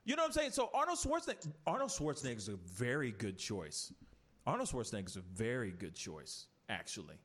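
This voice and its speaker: A man's voice: medium pitch, huge pitch swings, fast talker, fairly bright tone, husky. A man hosting a casual podcast chat, ranting animatedly with rhetorical questions and many restarts. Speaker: podcast host.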